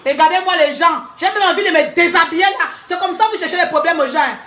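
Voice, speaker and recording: With an extremely high pitch and a fairly bright tone, a woman vlogger talks fast in an angry rant to the camera at home. She scolds her critics and laughs between jabs, and the room is echoey.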